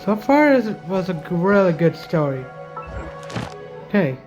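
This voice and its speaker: Slow, halting gamer reacting casually. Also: mid-range voice, big pitch swings, darkish tone, faint music behind. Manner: halting, repeats phrases. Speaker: gamer, channel host. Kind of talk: casual game reaction commentary.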